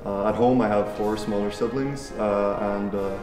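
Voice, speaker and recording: A man's voice: lowish voice, steady tone, normal speed, distant mic. A young man from Sweden, a debate student, answering an interview casually with many hesitant fillers. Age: young adult. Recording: echoey room, off-mic, music behind.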